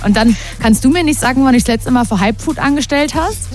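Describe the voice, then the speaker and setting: A woman's voice: sits high, fast talker, soft background music. A woman hosting a radio show, chatting in a playful, slangy way from the studio. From Berlin. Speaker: radio guest host. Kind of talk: casual radio chat. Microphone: studio microphone.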